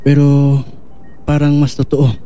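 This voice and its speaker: A man's voice: medium pitch, monotone, a little slow, warm tone, clean tone, lightly acted. A man acting a troubled, earnest young man with lost memories in an audio drama. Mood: confused.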